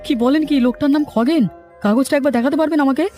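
A woman's voice: sits high, very fast, dark tone, soft background music, natural voice. A woman voicing a betrayed, indignant male village swindler in a cartoon, full of grievance. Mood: startled. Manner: indignant, aggrieved. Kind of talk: dramatized cartoon dialogue.

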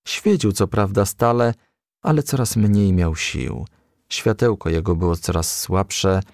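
A man narrates a children's storybook in a low, slightly creaky voice. He takes his time, yet his pitch moves widely and expressively from phrase to phrase. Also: a little mellow, no room sound, studio quality. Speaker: audiobook reader.

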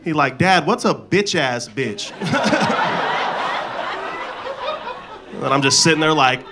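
A man's voice: a little high, huge pitch swings, very slow, noisy background. A man in his thirties doing a loose, profane stand-up set on a club stage, holding a handheld mic, with the crowd laughing. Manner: loose, profane, slangy storytelling. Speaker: stand-up comedian. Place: comedy club stage before a live audience. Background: audience laughter.

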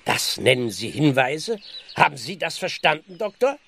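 A creaky, blustering village constable. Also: male voice, fairly high pitch, very animated, moderate pace, fairly bright tone, a little hiss or hum, full character voice. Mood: exasperated. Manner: blustering, exasperated. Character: flustered, officious village police constable, impatient. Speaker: actor playing a village policeman. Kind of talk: German radio play acting.

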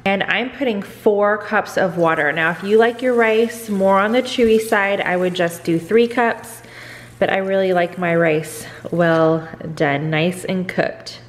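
Speaking in a mid-range voice at a slightly slow pace, this middle-aged cooking vlogger from Texas talks through a home-kitchen demonstration step by step. She keeps it casual and chatty, repeating "go ahead" often, and the audio has a big-room sound.

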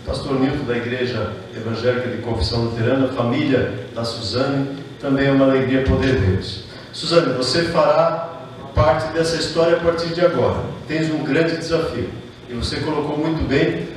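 A man's voice: fairly high pitch, recorded from a distance, slight background noise. A middle-aged man from southern Brazil, a mayor raised speaking German, giving a formal ceremony speech at a podium, earnest, greeting guests one by one with small fillers. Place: large reverberant hall, indoors. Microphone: podium microphone heard from a distance. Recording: echoey hall, voice from afar.

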